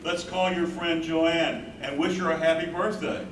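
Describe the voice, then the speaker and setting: A man's voice: a little high, fairly even intonation, measured pace, a bit bright, distant mic. A man playing an earnest, grieving older husband who cares for his wife, in a dramatic staged play reading. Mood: urgent. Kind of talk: staged play reading, first-person narration. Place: live staged reading in echoey room. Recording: roomy, noisy stage recording from afar.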